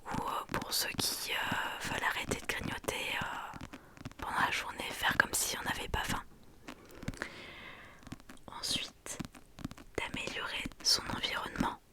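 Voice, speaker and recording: A woman gives an ASMR talk entirely in a soft library whisper. Her delivery is very unhurried, with hesitant pauses as she explains. The voice stays breathy and unvoiced. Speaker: ASMR creator.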